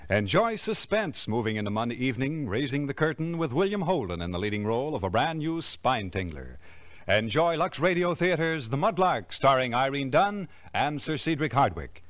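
Male American network radio announcer, 1950s style, very animated pitch, polished scripted read, dry close sound. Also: dry recording. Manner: polished, emphatic.

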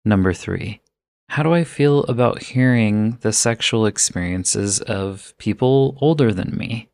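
Upbeat low-voiced podcast host. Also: male voice, a little slow, gravelly, darkish tone, no echo. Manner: upbeat, laughs easily. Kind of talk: scripted podcast intro and interview.

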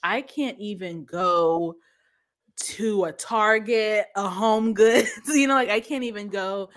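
Speaking slowly in a mid-range voice, this woman in her 30s is a guest on a podcast, keeping it casual. She laughs a lot and tends to drop off partway through her sentences.

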